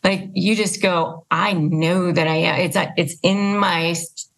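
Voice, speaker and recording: Fast-talking woman with a creaky voice. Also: lowish voice, steady tone, a bit bright. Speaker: podcast host. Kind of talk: casual conversational interview.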